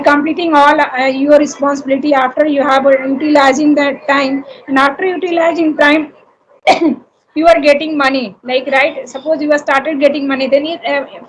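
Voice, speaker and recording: A Hindi-speaking woman with an Indian accent, chatting in English in halting sentences full of fillers and restarts. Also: sits high, a little hiss or hum, low-quality recording. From Uttar Pradesh, India. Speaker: homemaker and YouTuber practising English. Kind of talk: casual conversation practice.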